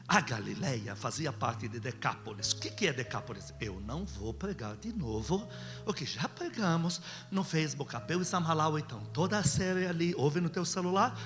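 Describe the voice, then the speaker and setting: A man with a Brazilian accent preaching emphatically to a congregation as a pastor, exhorting and posing rhetorical questions. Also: mid-range voice. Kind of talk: sermon with call and response. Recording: long hall reverb, music behind.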